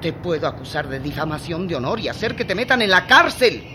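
An actress playing a vain, insecure middle-aged housewife in a radio drama, with an evasive, condescending manner. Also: female voice, fairly low pitch, big pitch swings, brisk, noisy background. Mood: threatening. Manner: evasive, condescending, turns threatening. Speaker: mistress of the house.

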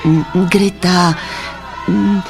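An actress playing a displaced woman in a radio drama, recounting hardship in broken, with halting fragments and repeated words. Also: lowish voice, fairly even intonation, creaky, over music, a crowd in the background, full character voice. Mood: earnest, determined. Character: sad, displaced woman haltingly recounting losing her home.

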